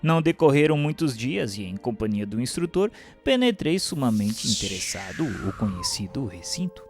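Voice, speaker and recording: A man narrating a radio serial in scripted literary first person, with formal, measured delivery. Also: medium pitch, big pitch swings. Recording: music bed behind the voice.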